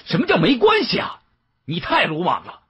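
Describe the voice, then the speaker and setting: Guy playing an exasperated antiques man in an audiobook, scolding, really husky, big pitch swings. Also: wildly swooping pitch, normal speed, fairly bright tone, no echo, heavily acted. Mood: angry. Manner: blunt, questioning, reproachful. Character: earnest male antique appraiser, exasperated and scolding.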